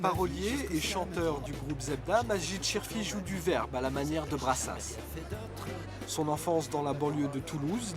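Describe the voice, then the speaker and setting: A man giving measured, scripted documentary voice-over. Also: fairly high pitch. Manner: measured, formal. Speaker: documentary narrator. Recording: voice-over with music underneath.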